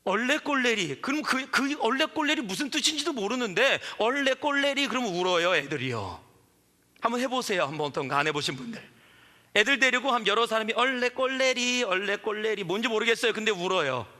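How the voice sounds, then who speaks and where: Bright, high-voiced preacher in a hall. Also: male voice, quick pace. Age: 40s. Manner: animated storytelling, acting out quoted voices. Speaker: pastor. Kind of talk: sermon. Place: church sanctuary. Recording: reverberant church hall.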